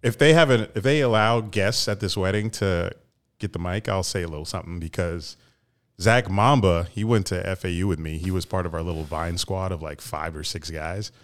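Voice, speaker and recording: A man's voice: deep voice, a little fast. A young adult man co-hosting a casual podcast, talking informally with slang and some swearing. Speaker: podcast co-host.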